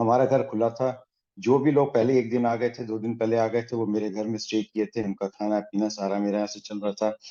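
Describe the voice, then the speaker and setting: A man's dark, mellow tone in monotone, flat intonation with hardly any pauses. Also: medium pitch for a man. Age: 60s. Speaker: spiritual devotee and pilgrimage organizer. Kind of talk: testimony. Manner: halting.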